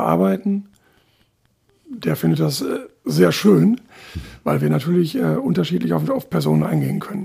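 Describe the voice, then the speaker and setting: A man talks at a moderate pace. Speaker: arbitrator and mediator. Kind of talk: interview.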